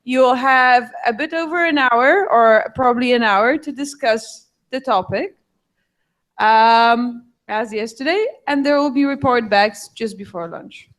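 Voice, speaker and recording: A woman organizing a workshop, slowly announcing the discussion tables to a room. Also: fairly high pitch, a bit bright.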